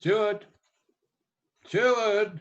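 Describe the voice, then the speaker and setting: Older Germanic professor, slightly high voice, grave, commanding, fatherly, theatrical radio drama. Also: fairly even intonation, extremely slow, muffled recording. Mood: urgent. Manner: stilted foreign phrasing, commanding yet fatherly.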